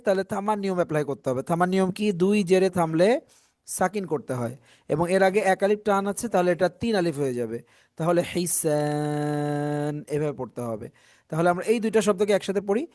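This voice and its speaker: A man teaching Quran reading. He spells out letters and vowel marks slowly, then stretches the words into drawn-out chanting for his class to repeat. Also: high voice, darkish tone, dry recording, clean studio sound. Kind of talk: spelling out and drilling recitation.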